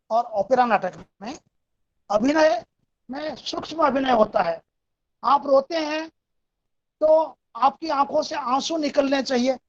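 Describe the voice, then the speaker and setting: A woman's voice: sits high, dull audio. A woman lecturer giving a methodical, explanatory talk in a recorded online class.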